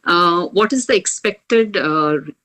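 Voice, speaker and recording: A woman moderating a corporate earnings call, measured and businesslike, pausing often as she reads out questions. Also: lowish voice, lively intonation, sharp tone.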